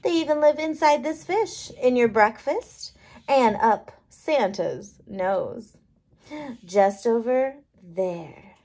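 A woman kindergarten teacher reading a picture book aloud, playful and expressive, leaning on key words. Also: on the high side, slow.

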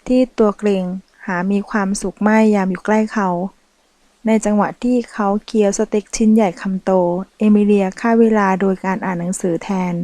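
A woman narrating a romance novel in a steady, even storytelling delivery, recorded close to the mic. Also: mid-range voice, moderate pace, no echo. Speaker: audiobook reader.

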